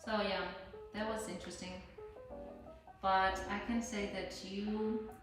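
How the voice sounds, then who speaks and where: A woman in her mid twenties with a Georgian accent, co-hosting a casual podcast in a second language with hesitant pauses. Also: medium pitch, flat delivery, recorded from a distance. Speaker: podcast co-host, volunteer. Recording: very echoey room, off mic, music behind.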